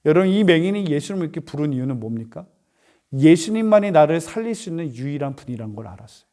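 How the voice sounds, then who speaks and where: A man, a pastor, preaching an animated storytelling sermon to youth, asking rhetorical questions and acting out the characters. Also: fairly high pitch, fast talker. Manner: animated, acts out voices, asks rhetorical questions. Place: church.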